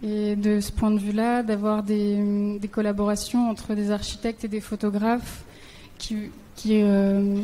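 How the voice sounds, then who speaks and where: Mellow-voiced woman in a panel discussion. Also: medium pitch, completely flat delivery, a little slow, a little hiss or hum. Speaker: round table participant.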